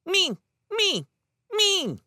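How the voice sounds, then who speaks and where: A man's voice: sits high, animated, normal speed, sharp tone, dry recording, clean studio sound, voice pushed up. A man voicing a demanding, imperious little toddler boy in an audiobook. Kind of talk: audiobook character voice.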